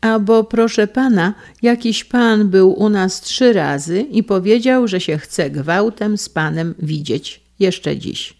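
A woman's voice: mid-range voice, expressive, slow pace, hardly any pauses, a little mellow, voice pushed up. A woman voicing a deferential, flustered male servant in a storybook reading, with an eager manner. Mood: urgent.

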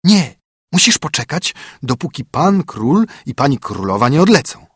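A man's voice: a little high, big pitch swings, normal speed, fairly bright tone, breathy edge, no echo, clean studio sound, exaggerated voice. A man voicing a cautious, sly male wolf in a storybook reading, speaking in warning tones. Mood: cautioning.

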